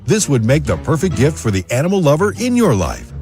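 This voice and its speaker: A man reading a scripted book ad in a bright, promotional manner. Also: a little high, wildly swooping pitch, brisk. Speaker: ad announcer. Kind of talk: scripted ad read. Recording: music bed behind.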